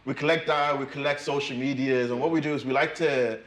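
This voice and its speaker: A man's voice: mid-range voice, steady tone, fairly quick. A young man from Ireland, a guest trader chatting casually, laughing often and repeating his phrases. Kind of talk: casual chat. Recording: echoey room.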